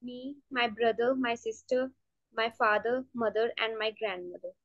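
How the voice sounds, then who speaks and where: A woman's voice: a little high, fairly even intonation, moderate pace. A young woman whose first language is Punjabi answers a mock speaking exam over a video call, hesitant and full of fillers and restarts. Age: student. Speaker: test candidate. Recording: dull lo-fi video call audio.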